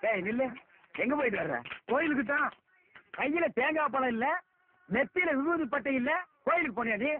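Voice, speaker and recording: அ திட்டிக் கேலி செய்யும் உயர் குரல் ஆண், பழைய டப்பா ஒலிப்பதிவு. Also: male voice, very high voice, lively intonation, a little fast. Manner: scolding, mocking insults. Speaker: comic film actor. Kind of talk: film comedy scene. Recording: tinny lo-fi film audio.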